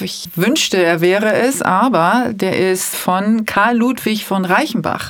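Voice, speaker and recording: A woman's lively intonation comes through as she talks at a very slow speed. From Hamburg, northern Germany. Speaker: podcast host and body language coach. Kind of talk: casual interview. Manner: laughs often.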